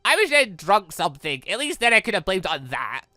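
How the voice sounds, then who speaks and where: A man voicing an insecure, self-blaming teenage girl from a visual novel, halting and stammering. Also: high voice, sing-song, sharp tone, dry recording, soft background music, full character voice. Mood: upset, self-blaming.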